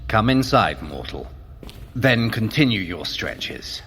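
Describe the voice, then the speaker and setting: A man's voice: fairly low pitch, big pitch swings, slow, a bit bright, husky, long reverb tail, faint music behind, heavily acted. An actor playing a haughty, sly male trickster god in an audio drama, wry and theatrically imperious. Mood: haughty, commanding.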